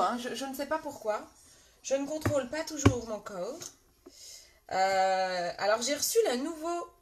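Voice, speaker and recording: French woman, makeup seller hosting a live, higher voice, chatty, lots of fillers, faint noise. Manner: chatty, greets viewers by name, many fillers. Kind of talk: casual live makeup tutorial. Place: her bedroom.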